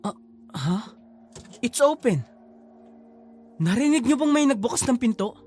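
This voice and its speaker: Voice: medium pitch, sing-song, unhurried, darkish tone, faint music behind. A performer voicing a level-headed, sceptical teenage student in a spoken horror story. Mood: urgent.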